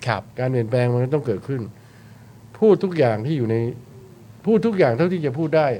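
Lively intonation runs through this man's medium-pitched voice, which has a dark, mellow tone. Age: 60s. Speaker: lawyer. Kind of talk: interview.

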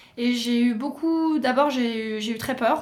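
A woman is speaking in a high pitch. Her intonation stays fairly even. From France and Spain. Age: 40s. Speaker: artisanal food producer and entrepreneur. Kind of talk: interview. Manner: halting.

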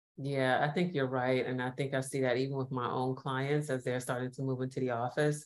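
Hardly pausing, a woman with a New York accent talks at a fairly quick pace in a very deep, low pitch with monotone, flat intonation. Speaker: podcast host and organizational consultant. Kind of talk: interview, casual professional chat.

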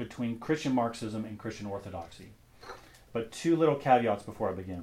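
A man talks with ordinary pitch variation. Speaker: lecturer. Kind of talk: lecture. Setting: lecture hall with audience discussion.

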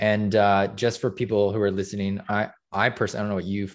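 On a very clean recording with a silent background, a man with a plain, everyday voice and a fairly low pitch talks at a fairly quick pace. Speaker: podcast interviewer. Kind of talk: casual interview.

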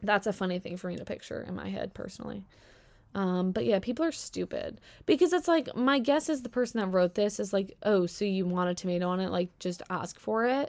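A woman speaks at a medium pitch and a fairly quick pace, animated and with lively intonation. The recording is very clean, with a silent background. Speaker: solo podcast host reading listener stories. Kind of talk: casual monologue. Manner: fast.

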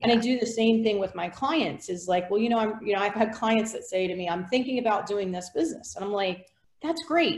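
The speaker has a somewhat breathy voice with an American accent. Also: woman. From Maryland. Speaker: financial advisor and business owner. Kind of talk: interview. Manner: animated.

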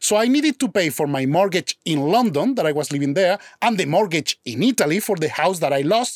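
A man in a Spanish accent, high-pitched with very wide pitch swings, fairly quick with hardly any pauses, in a dry, close sound with no echo. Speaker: visual effects artist and teacher. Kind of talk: interview.

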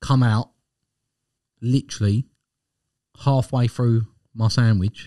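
Long, frequent pauses break up a man's speech, medium in pitch with a dark, mellow tone and fairly even intonation, in a dry, close sound with no echo. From East London. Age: 30s. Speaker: London cab driver. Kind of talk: casual interview chat.

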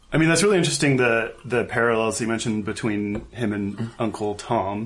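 At a medium pitch and a fairly quick pace, a man with an unremarkable speaking voice talks with ordinary pitch variation. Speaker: podcast co-host.

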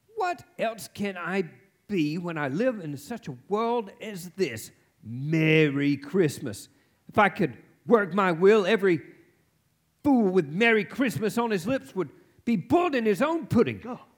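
Using a put-on character voice, a man sounds gruff and high-pitched, with very wide pitch swings at a moderate pace. The recording is very clean, with a silent background. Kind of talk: stage radio play acting. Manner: gruff, scornful, miserly.

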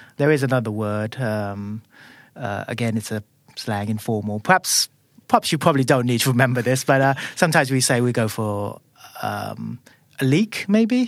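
A man with an RP accent, on a very clean recording with a silent background. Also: medium pitch for a man, ordinary pitch variation, moderate pace. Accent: RP-leaning British. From London, England. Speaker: English teacher. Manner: clear, measured.

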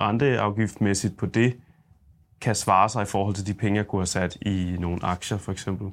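A man with a fairly low pitch speaks with fairly even intonation on a very clean recording with a silent background. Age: 30s. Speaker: journalist and podcast host. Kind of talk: casual interview.

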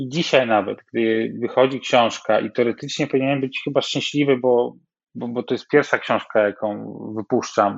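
A man speaks in a normal speaking voice at a moderate pace, his medium pitch held to fairly even intonation. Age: 40s. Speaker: film producent and author recovering from addiction. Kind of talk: interview.

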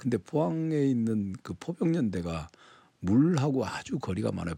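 A dark, mellow tone with very wide pitch swings at a fairly slow pace, on a very clean recording with a silent background. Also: man. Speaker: podcaster and veteran Marine commenting on current affairs. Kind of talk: casual solo monologue. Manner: halting, with frequent self-corrections.

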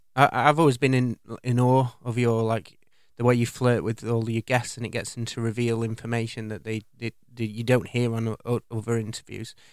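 A man in a Yorkshire accent, monotone and flat in intonation, at a fairly quick pace. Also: medium pitch for a man. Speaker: comedy podcast host. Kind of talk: comedic casual chat.

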